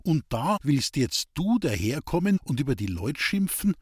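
A man voicing a patient, fatherly village priest in Bavarian dialect, in an audiobook, with a husky voice. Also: a little high, sing-song, moderate pace, a little mellow, no echo, clean studio sound, pitched above the performer's own voice. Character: kindly, gently teasing older village priest.

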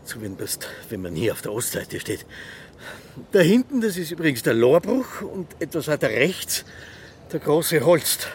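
An actor playing a talkative small-town mayor who rambles and chuckles while showing a visitor the view. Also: male voice, fairly high pitch, sing-song, normal speed, a little hiss or hum. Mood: proud. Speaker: local official guiding a visitor.

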